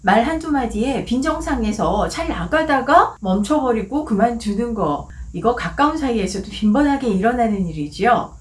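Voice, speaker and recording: A woman speaks in a fairly high voice that rises and falls a great deal. She explains her points calmly and articulates each word clearly. It sounds like a scripted talk from a book channel host. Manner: calm, clearly articulated, acts out short quoted lines. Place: office.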